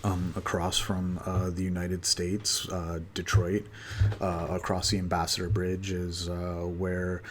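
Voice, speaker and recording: Low, flat-voiced man in his thirties. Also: slight background noise. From Canada. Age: 30s. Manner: loose, halting, many fillers and restarts, casual swearing. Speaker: podcast host. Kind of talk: rambling solo podcast monologue.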